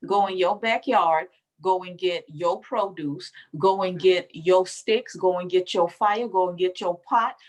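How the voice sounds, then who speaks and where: A woman's voice: fairly low pitch, unhurried. A woman from the Bahamas talking as an interview guest, telling her story emphatically and calling the listener baby. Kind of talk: casual interview conversation.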